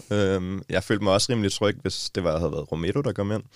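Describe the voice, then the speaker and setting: A man with a fairly low voice speaks at a fairly quick pace and ordinary pitch variation. The recording is very clean, with a silent background. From Denmark, Copenhagen (Østerbro). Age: 20s. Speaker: football fan guest, waiter. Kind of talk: casual chat. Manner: hesitant, many fillers.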